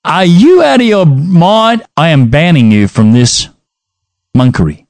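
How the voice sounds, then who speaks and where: A man's voice: fairly high pitch, sing-song, no room sound, pitched above the performer's own voice. A man voicing a stern elderly abbot who talks solemnly and flies into a rage. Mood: furious. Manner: solemn and slow, then bellowing.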